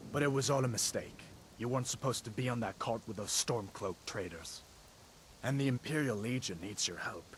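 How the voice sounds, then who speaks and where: An actor playing an earnest, persuasive soldier in scripted fantasy game dialogue. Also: male voice, fairly low pitch, fairly bright tone, slight background noise, natural voice. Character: urgent, earnest male imperial soldier.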